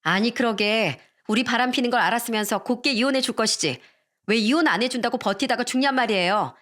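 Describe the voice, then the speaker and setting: A woman's voice: fairly high pitch, a little fast, a bit bright, lightly acted. A woman doing a brazen defiant young mistress. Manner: cheeky, talks back.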